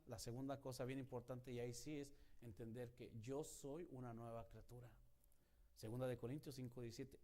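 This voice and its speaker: A man's voice: mid-range voice, mellow. A male pastor, giving a conversational sermon and acting out quoted prayers and dialogue.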